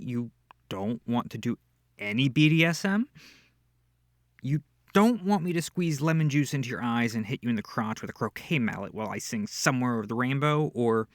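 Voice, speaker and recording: A man's voice: mid-range voice, no room sound, clean studio sound, natural voice. A man playing a smug, seductive incubus demon in an intimate ASMR roleplay, with theatrical, teasing delivery. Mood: incredulous. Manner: theatrical, teasing, purring, breathy asides.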